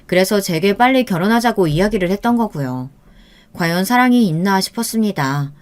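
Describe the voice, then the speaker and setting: A woman narrating a true-life story in the first person, in a steady, earnest scripted reading. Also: medium pitch, fairly quick.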